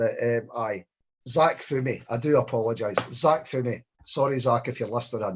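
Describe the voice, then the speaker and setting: A man speaks with a Scottish accent. His voice is somewhat breathy, with ordinary pitch variation. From Scotland. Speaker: Scots-language poet and children's writer. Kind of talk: festival reading talk. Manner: animated.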